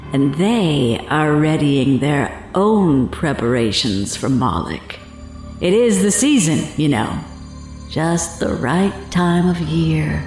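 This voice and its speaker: Evil, slow-talking witch drenched in echo. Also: low-pitched, darkish tone, full character voice. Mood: menacing. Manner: gloating, mocking, slow and deliberate, cackling. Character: evil condemned woman, taunting witch and child-sacrificing cultist. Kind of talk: horror audio drama acting. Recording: very echoey, music underneath.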